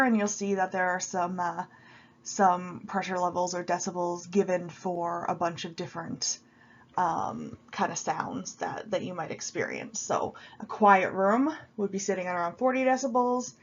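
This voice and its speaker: A woman's voice: medium pitch, highs cut off. A woman lecturer with a cold, sounding a bit sniffly, explaining course material in a casual recorded video lecture with frequent ums and restarts. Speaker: university lecturer.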